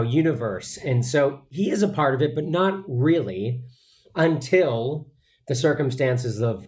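A man's voice: medium pitch, darkish tone. A man, an actor, answering interview questions in an earnest, chatty way, with many fillers and restarts. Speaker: actor guest.

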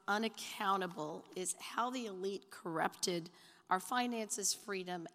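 A hoarse woman of medium pitch gives an academic talk while losing her voice. She stumbles through restarts and fillers, slipping in wry asides. Her words ring out with a long hall reverb. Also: a bit bright. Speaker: conference panelist. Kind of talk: semi-prepared academic talk.

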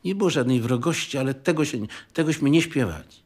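An older man reminiscing informally, halting and correcting himself as he goes. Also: mid-range voice, a little mellow. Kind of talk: casual reminiscence.

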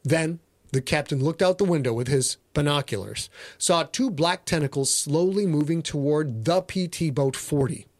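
A man's voice: a little high, animated, normal speed, no echo. A middle-aged American man giving a theatrical, mock-serious dramatic reading of a story as its narrator. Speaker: author and narrator.

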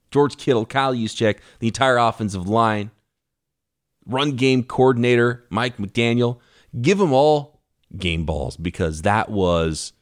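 A man hosting a solo sports podcast, talking through the game in an energetic, conversational way while his voice is worn from a cough. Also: fairly low pitch, no room sound, studio quality. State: losing his voice from a lingering cough. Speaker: podcast host.

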